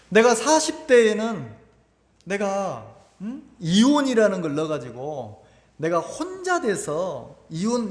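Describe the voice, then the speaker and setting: A man with a high voice preaches a Sunday sermon in a church, his pitch rising and falling widely. He talks conversationally, keeps asking the congregation questions and repeats his words. His voice rings through a reverberant hall. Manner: repeats words and uses filler "막" often. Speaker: pastor. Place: church sanctuary.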